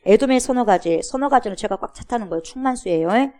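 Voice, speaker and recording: A woman's voice: on the high side, lively intonation, fast talker, warm tone. A woman pastor giving a sermon at a church, preaching emphatically and asking the congregation repeated rhetorical questions.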